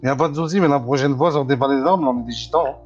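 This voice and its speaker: A man's voice: medium pitch, racing, muffled recording, soft background music. A man improvising a streetwise gang member arguing his side in a gaming roleplay. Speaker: GTA roleplay player.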